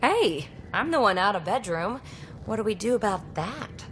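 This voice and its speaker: A woman's voice: mid-range voice, big pitch swings, normal speed, a little hiss or hum, lightly acted. A woman playing a young, impulsive alien explorer in a video game, wry, casual and earnest. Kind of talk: video game cinematic acting.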